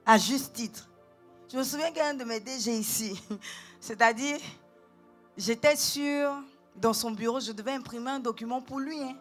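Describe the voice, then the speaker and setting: A woman pastor with a Gabonese French accent, preaching a sermon and telling lively personal stories in a church. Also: a little high. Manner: animated, acts out quotes, switches between calm and shouting.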